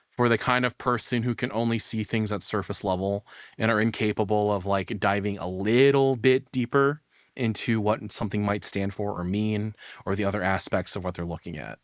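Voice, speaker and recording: A man in his thirties with a fairly low voice, reacting casually as a streamer. He rambles off the cuff and curses now and then, in a very dry recording. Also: fairly quick, dry recording. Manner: rambling, profane.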